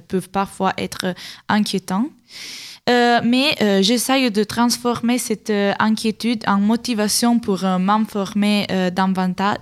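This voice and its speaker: A woman from Turin, Italian by first language, speaking French on a radio panel with frequent hesitations. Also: medium pitch. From Turin, Italy.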